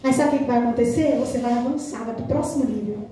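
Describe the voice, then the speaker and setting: A Brazilian woman preacher delivering a sermon, telling stories with lively acted-out dialogue. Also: a little high, fast. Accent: Brazilian Portuguese. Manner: animated storytelling, acting out quoted dialogue. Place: church hall. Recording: very echoey church hall, mic at a distance.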